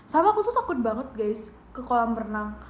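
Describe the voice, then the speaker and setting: A woman's voice: a little high, very animated, a little fast. A young woman with an Indonesian accent, hosting a casual livestream from home in a playful, giggly way and thanking viewers. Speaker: idol livestream host. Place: bedroom at home. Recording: roomy echo from a home livestream.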